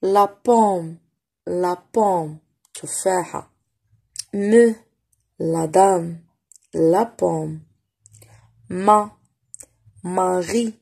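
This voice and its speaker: A woman with a Moroccan accent teaching French reading, saying each word slowly and twice and explaining in Darija. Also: lowish voice, vocal fry, dark tone, breathy edge. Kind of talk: slow reading lesson, repeating words for learners.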